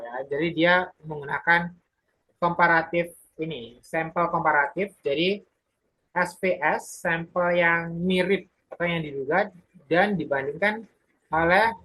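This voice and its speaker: A young adult presenter giving a casual explanatory talk to a community group, pausing often with filler sounds and correcting themselves mid-sentence. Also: medium pitch, fairly bright tone, rough recording. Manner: hesitant, many filler sounds and self-corrections.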